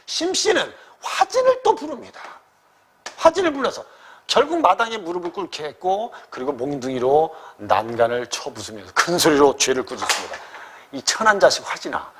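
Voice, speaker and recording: A man's voice: fairly high pitch, very animated, normal speed, fairly bright tone, slight background noise. A man teaching a literature lesson for exam prep, often checking that students follow. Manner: keeps checking with students, questioning.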